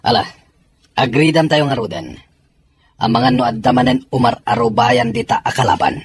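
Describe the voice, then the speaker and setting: A man's voice: medium pitch, moderate pace, husky, dry recording. A man playing a stern, suspicious soldier in a serial drama, with a firm, questioning manner. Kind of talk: Ilocano serial drama acting.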